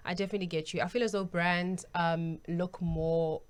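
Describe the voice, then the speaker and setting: South african woman on a chat panel, voice a bit low, casual opinions. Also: fairly even intonation, normal speed, clean tone.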